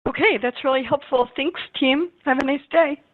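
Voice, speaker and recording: A woman with a raised pitch asks questions as a financial analyst on a conference call. She is polite and conversational. Her audio is close and dry, squeezed through a phone line. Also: normal speed, no echo.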